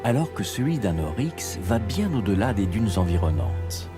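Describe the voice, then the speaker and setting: A man's voice: fairly low pitch, very animated, moderate pace. A man reading scripted narration for a nature documentary, with music behind him. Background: background music.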